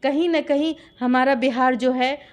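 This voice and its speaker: A woman's voice: high-pitched, steady tone, moderate pace. A woman with a Bihari accent giving impassioned interview testimony, insistent and full of rhetorical questions. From Bihar, India. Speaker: interviewee giving her account of a dispute.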